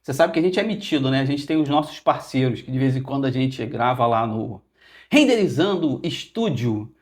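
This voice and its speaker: A man's voice: medium pitch, lively intonation, brisk. A man with a Rio de Janeiro area Brazilian accent hosting a podcast interview, joking and playful as he chats with his guest. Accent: Brazilian Portuguese, Rio de Janeiro area. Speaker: podcast host. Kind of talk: casual interview chat.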